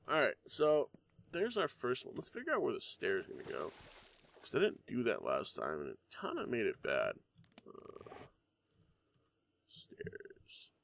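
A man's voice: fairly low pitch, creaky, a bit bright, a little hiss or hum. Congested young man rambling over gameplay. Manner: rambling, many ums and uhs. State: congested from a cold. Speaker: gaming YouTuber. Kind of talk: casual let's-play commentary.

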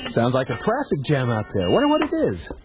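A man's voice: mid-range voice, huge pitch swings, fairly quick. An actor playing a husband on the run who keeps reassuring his wife, tense underneath, in a radio drama. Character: anxious husband on the run, young adult. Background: music.

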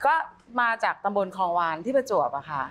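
A woman's voice: medium pitch, very animated, fairly quick, a bit bright. A middle-aged woman, a restaurant owner on a TV talk show, answering politely and agreeing often. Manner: polite, affirming with frequent "yes". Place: TV studio set.

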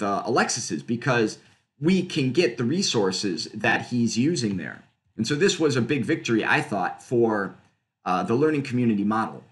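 A middle-aged man talks through his slides on a webcam video call from a room at home. His pitch moves a lot, rising and falling as he explains. He speaks casually, with fillers and quick self-corrections. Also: a bit bright. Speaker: physics researcher presenting.

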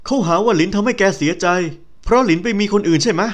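A man voicing a cheerful, teasing young male agronomist friend who talks brightly and chattily. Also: sits high, fast talker, pitched above the performer's own voice, close to an everyday voice. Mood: earnest.

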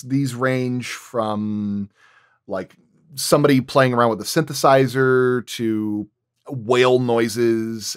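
A man's voice: fairly low pitch, no echo, clean studio sound. A man speaking as a sound designer in a roundtable, thinking aloud and repeating and rephrasing as he explains his craft.

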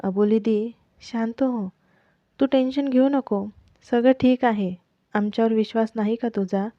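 A woman voicing a younger woman of the family who affectionately calms her elder sister-in-law. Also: a little high, measured pace, no room sound, close to an everyday voice. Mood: soothing. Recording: dull lo-fi, dry close mic.

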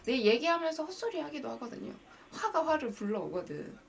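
A woman hosting a live coaching stream, talking straight to her viewers in an animated, emphatic way. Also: sits high, fairly quick, creaky, far from the mic, slight background noise. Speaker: mind-training coach and live-stream host.

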